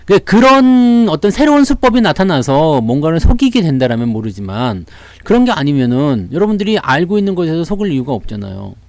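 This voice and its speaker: A man's voice: on the high side, sing-song, brisk, a little mellow, dry recording. Chatty man with Jeolla dialect. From Seoul, South Korea. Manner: chatty, greets viewers, laughs often, mimics voices. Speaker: stock market livestream host. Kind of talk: casual livestream talk.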